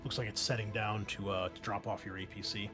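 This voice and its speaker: A man's voice: on the low side, little pitch movement, brisk, fairly bright tone. Man game-mastering over faint music. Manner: descriptive narration mixed with informal rules talk. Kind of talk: narrating a tabletop roleplaying game.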